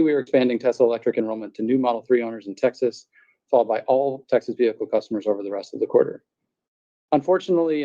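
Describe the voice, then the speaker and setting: A man's voice: mid-range voice, dark tone. A man speaking as a company representative, delivering prepared remarks on an earnings call through muffled conference audio.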